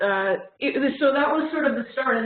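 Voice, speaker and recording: A woman speaks with a Canadian accent. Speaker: songwriter and painter. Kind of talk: casual chat. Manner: halting.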